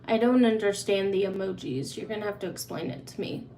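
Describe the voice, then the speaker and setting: A woman's voice: mid-range voice, fairly quick, dark tone, a little hiss or hum. A woman from Oklahoma hosting a casual live Q&A, chatty and open as she answers viewers' questions. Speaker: livestream host. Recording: echoey room, faint ambience.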